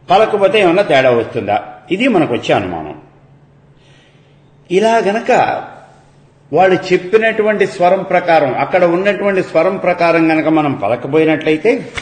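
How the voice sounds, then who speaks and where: Male lecturer, unhurried and careful, lively rising and falling pitch, roomy reverb on the voice. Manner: measured, deliberate, stretches example syllables. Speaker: lecturer on Vedic chanting. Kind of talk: slow explanatory lecture.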